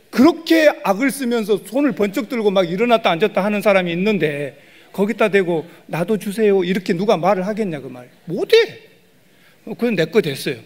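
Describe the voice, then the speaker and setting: A middle-aged man preaching a sermon as pastor, animated, acting out prayers and calls with sudden loud bursts. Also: high-pitched.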